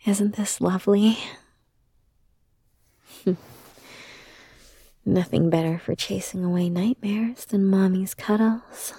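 A woman whispering softly and soothingly in an ASMR roleplay, close to the microphone. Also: medium pitch, fairly even intonation, takes it slowly, pauses often, husky, no echo.

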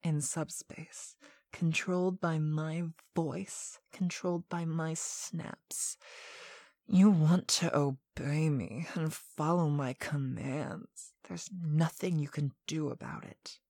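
Low, slow, commanding woman hypnotist. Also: steady tone, warm tone, dry recording, studio quality. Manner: commanding, slow, deliberate, with breathy whispered phrases. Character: domineering, controlling mistress hypnotist, sweet yet stern. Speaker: hypnosis performer playing a mistress. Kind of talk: scripted hypnotic roleplay monologue.

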